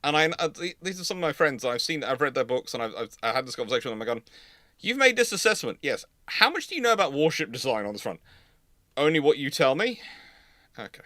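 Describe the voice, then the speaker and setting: A man with a bright, forceful voice in a dry, close recording. He hosts a live history discussion and explains his views emphatically, wandering into digressions as he goes. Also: fairly high pitch, very animated, fast, no room sound. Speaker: host, naval historian. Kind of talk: live question-and-answer discussion.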